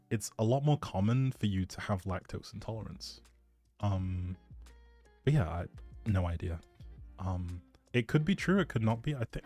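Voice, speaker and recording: A man's voice: lowish voice, darkish tone. A man hosting a livestream, chatting casually with viewers in a rambling, jokey, playful way. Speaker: streamer, host. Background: background music.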